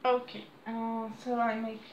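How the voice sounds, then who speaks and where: A woman in her thirties with a French accent, chatting to camera at home in halting English, losing her voice. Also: fairly high pitch, monotone, roomy sound, muffled recording, a little hiss or hum. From France. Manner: halting non-native English with frequent restarts and apologies. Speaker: crafts vlogger. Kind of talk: casual chat to camera. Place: small room indoors at home. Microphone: camera on a desk close by.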